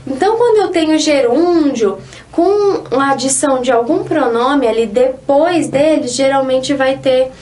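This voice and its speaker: High-voiced woman teaching Spanish. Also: darkish tone. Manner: explanatory, slow, stresses example sentences. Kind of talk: online language lesson.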